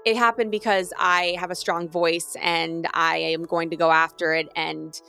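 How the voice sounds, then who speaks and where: A woman in her thirties, a retired athlete, telling her story candidly and earnestly, often restarting phrases and turning lively when she quotes others. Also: lowish voice, moderate pace, creaky, clean tone, soft background music.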